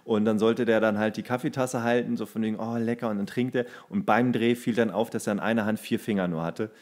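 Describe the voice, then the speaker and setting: A man's voice: fairly low pitch, steady tone, quick pace, darkish tone. A man in his thirties co-hosting a podcast, casually telling anecdotes and acting out quotes as he goes. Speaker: podcast co-host; actor.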